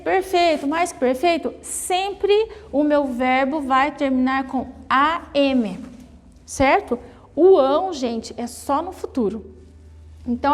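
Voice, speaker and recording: A Brazilian woman teaches grammar to her class at an unhurried pace, often pausing to check that her students are following. Her voice sits high. The recording carries a long, lingering reverb. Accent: Brazilian Portuguese. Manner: explains slowly, repeating and checking with "né?" and "tá?". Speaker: Portuguese teacher.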